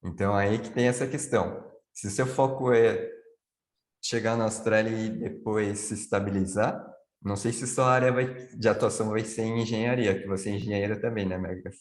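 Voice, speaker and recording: A man's voice: on the low side, steady tone, moderate pace, reverberant. A man on a video call explaining things at length, answering his own questions as he goes. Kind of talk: live online Q&A chat.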